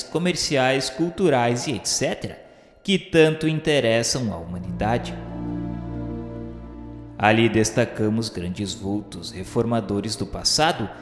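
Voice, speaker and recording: Brazilian man narrating solemnly in echoing reverb. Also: medium pitch. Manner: formal, literary delivery. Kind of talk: solemn scripted narration of a spiritist radio novel. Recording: echoey hall-like reverb. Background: music.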